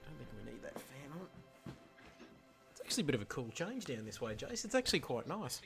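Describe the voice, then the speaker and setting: A man hosting a live stream, loud and chatty, swearing freely. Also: very animated, a little fast, vocal fry, music in the background. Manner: loud, swears, booming greetings. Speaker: stream host. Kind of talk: casual live stream banter.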